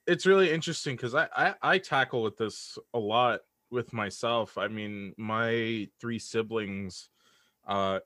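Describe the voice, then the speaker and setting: Deep-voiced man, halting and reflective, dry sound. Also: a bit bright, dry recording. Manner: hesitant, halting, self-deprecating. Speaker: interview guest, audio drama writer. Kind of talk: casual, reflective conversation.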